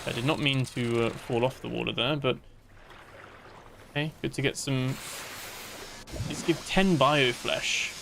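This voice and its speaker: A man's voice: medium pitch, steady tone, a little slow, creaky, long pauses, background noise. A man chatting casually while livestreaming a game, rambling with many fillers and restarts as he talks to his viewers. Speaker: gaming livestreamer. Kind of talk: casual live gameplay chat.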